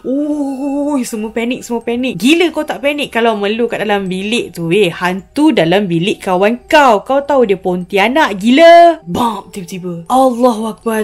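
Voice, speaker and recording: A woman with a Malaysian accent, hosting a vlog and telling a horror story in a dramatic, animated way with frequent exclamations. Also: fairly high pitch. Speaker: vlog host. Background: faint background music.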